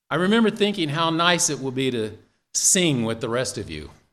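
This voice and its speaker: A man is talking at a moderate pace. The room echo is audible. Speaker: church member sharing testimony. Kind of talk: testimony. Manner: reading from notes; halting.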